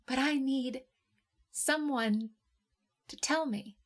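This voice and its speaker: Woman acting a high-pitched, insistent heartbroken woman. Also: slow. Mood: playful pleading. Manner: higher, animated, insistent. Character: heartbroken tipsy woman, pleading, playful, blunt.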